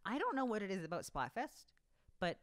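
A young adult woman co-hosting a podcast at home, talking in a rambling, animated way full of fillers, close to a desk mic. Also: medium pitch, brisk. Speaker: podcast co-host. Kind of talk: casual chat. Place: home studio room with bookshelves. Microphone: desk broadcast mic on boom arm.

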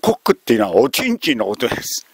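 Animated male history storyteller. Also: medium pitch, very fast, slightly rough, dry recording. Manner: animated, acts out quotes. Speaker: history lecturer.

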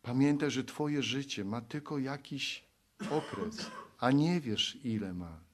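A man from Poland preaching a sermon, pleading and exhorting, moving between loud appeals and hushed low passages, and reading scripture aloud. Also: slow, noisy background.

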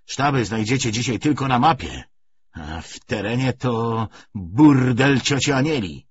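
A man's voice: mid-range voice, lively intonation, a little slow, breathy edge, dull audio. A man reading the part of an irritated, sarcastic young second lieutenant in an audiobook, biting off his words. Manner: biting, through clenched teeth.

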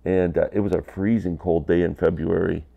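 Gravelly and low, his voice keeps a steady tone at normal speed, though the recording sounds muffled. He's a vinyl-collecting vlogger in his fifties with a stuffy cold, rambling candidly to camera from a small basement while gesturing a lot.

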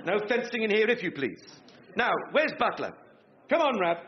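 An actor playing a pompous, bossy would-be Prime Minister with an English accent, blustering colloquially in a radio sitcom. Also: male voice, high-pitched, big pitch swings, normal speed. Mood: scolding. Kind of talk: radio sitcom acting before an audience. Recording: muffled, with studio audience laughter.

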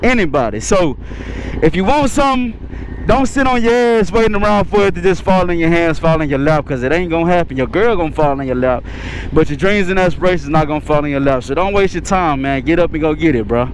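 A motovlogger with a fairly high, expressive voice talks fast and casually to his viewers, using slang in a laid-back way. He's riding a motorcycle outdoors through city streets, with faint road and traffic noise on a low-quality recording.

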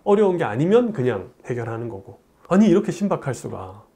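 A man's voice: medium pitch, fairly quick, slightly rough. A man in his forties, a urologist, talking to camera in a chatty storytelling way in a plain studio on a lapel mic. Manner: animated, gesturing hands, chatty storytelling. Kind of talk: explanatory talk to camera.

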